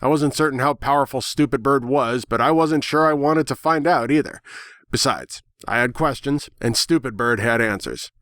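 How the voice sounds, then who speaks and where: A man reads a story in the first person at a middle pitch. His narration is dramatic and expressive, with a sardonic edge. The recording is close and very dry. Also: normal speed, dry recording. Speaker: fan fiction narrator.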